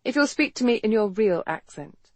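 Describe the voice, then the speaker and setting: A woman voicing an independent young Victorian woman doctor who speaks crisply and guardedly. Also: medium pitch, animated, normal speed, dry recording, natural voice.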